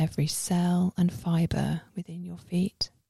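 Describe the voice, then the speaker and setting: The tone is soothing and gentle. It comes with a British accent. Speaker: energy healing podcaster. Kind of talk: guided meditation. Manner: slow, soothing, gentle, calm.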